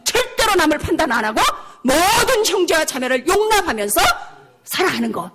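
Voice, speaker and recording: An older woman missionary preaching a revival sermon, telling a personal story with lively acted-out dialogue and frequent laughter. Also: very high-pitched, brisk. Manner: animated storytelling, acting out her own shouting; laughs often while preaching.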